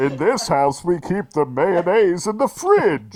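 A put-on character voice at a fairly slow pace. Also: man, high pitch for a man. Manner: menacing.

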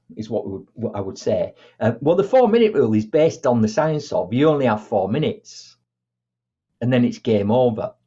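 A man's somewhat breathy, medium-pitched voice in a Yorkshire accent, with very wide swings in pitch. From Yorkshire, northern England. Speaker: motivational speaker. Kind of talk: casual chat. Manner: animated.

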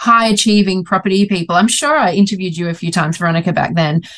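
A woman is speaking here. She has an Australian accent. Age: 40s. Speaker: finance journalist. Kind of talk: casual chat.

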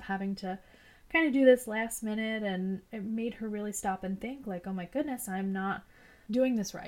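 Ordinary pitch variation and a moderate pace from a woman with a fairly high pitch. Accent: Pennsylvania. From Pennsylvania, US. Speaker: podcast host, marketing coach for mom entrepreneurs. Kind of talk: solo podcast talk about marketing. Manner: passionate, earnest.

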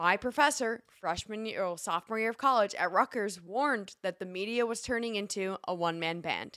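Recorded very cleanly against a silent background with a dry, close sound and no echo, a woman with a New Jersey accent speaks at medium pitch and a moderate pace, with a bright, sharp tone, ordinary pitch variation and hardly any pauses. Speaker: podcast co-host. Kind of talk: casual chat.

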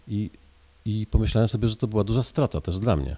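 A man's fairly low voice with a dark, mellow tone. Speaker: teacher and author. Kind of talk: interview. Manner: halting.

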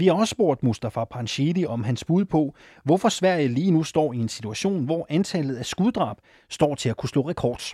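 This man talks at a fairly quick pace, his fairly high voice rising and falling in a lively way. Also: dry, close sound with no echo. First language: Danish (speaking Swedish). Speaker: radio podcast host. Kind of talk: scripted narration.

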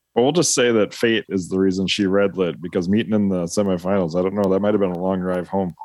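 Intonation remains fairly even. Words come very fast. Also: man, very deep, low pitch for a man. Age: 40s. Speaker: podcast co-host and drag racer. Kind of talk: interview.

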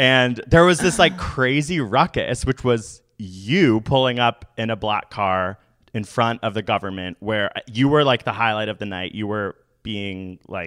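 A man's plain, everyday voice, medium in pitch, with lively intonation at a fairly slow pace. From Canada. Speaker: tiktok creator who once took the host's sunglasses. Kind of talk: casual chat.

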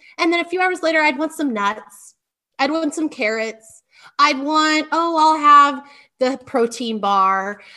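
Raised and projected, a woman's high-pitched voice carries a bright, sharp tone and lively intonation at a fairly slow pace. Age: 40s. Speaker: health and fasting coach. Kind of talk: casual interview. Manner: chatty.

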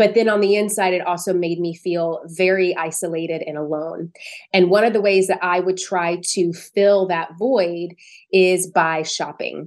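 Over a quiet background, a woman with a Southern US accent speaks with fairly even intonation. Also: medium pitch for a woman, moderate pace. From US South, small-town Tennessee. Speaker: branding and visibility coach. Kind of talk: interview.

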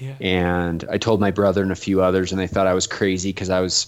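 In a very deep, low voice, a man with an American accent talks in a monotone, flat way. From United States. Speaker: age-group triathlete. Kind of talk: interview.

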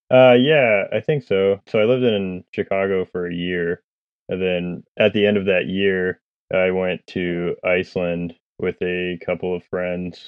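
A man with an American accent speaks at a fairly slow pace in a very deep, low voice. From North Carolina. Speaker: wildland firefighter and photographer. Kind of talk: casual interview.

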